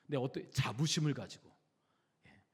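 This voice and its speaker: A man preaching a sermon with a lively, rising and falling voice at a mid pitch. He talks to the congregation in a conversational way and keeps asking them questions. His voice carries a long reverb from the church hall. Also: brisk. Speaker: pastor. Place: church sanctuary.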